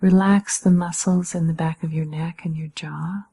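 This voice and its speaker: A woman meditation teacher giving calm, measured guided instruction in a breathy, slightly husky voice, with gentle pauses. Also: fairly low pitch.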